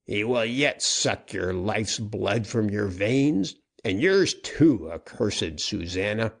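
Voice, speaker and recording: A man's voice: fairly low pitch, expressive, slow pace, vocal fry, heavily acted. A man voicing a fierce, vengeful male outlaw captain in a dime-novel reading, snarling and threatening.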